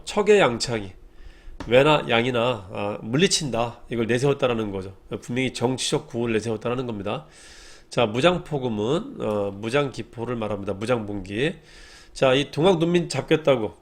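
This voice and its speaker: Brief: middle-aged male lecturer, rapid exam-prep delivery, brisk, repeats key terms, mid-range voice. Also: mid-range voice.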